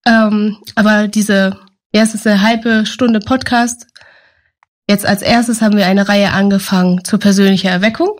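A woman volunteer describing her podcast work as a guest in an interview, in a relaxed, matter-of-fact way. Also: medium pitch, moderate pace. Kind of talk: casual interview talk.

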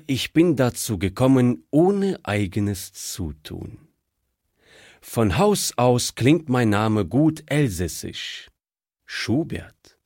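A man's voice: medium pitch, darkish tone, no room sound, studio quality, pitched above the performer's own voice. A man voicing a middle-aged pastor from Alsace who speaks earnestly and soothingly but is easily stirred. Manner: earnest, soothing, grows agitated.

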